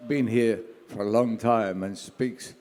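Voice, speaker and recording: A man in the audience asking a question at a live panel, phrasing it in a measured, deliberate way. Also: lowish voice, steady tone, a little mellow. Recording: echoey hall with long reverb.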